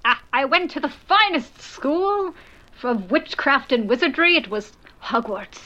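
A woman's voice: sits high, animated, unhurried, sharp tone, full character voice. A woman playing a vain, boastful male celebrity wizard and charming fraud, heard as a dull, lo-fi old recording. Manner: boastful, self-promoting, evasive.

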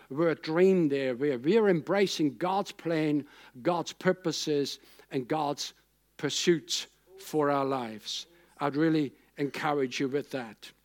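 High-pitched pastor in his sixties, preaching. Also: darkish tone. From Austria. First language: German. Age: 60s. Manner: conversational, rambling, with emphatic repetition. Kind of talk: sermon.

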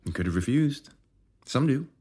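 An actor playing a probing, officious rejuvenation officer in an audio drama, measured and insinuating. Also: male voice, medium pitch, very animated, a little mellow, breathy edge.

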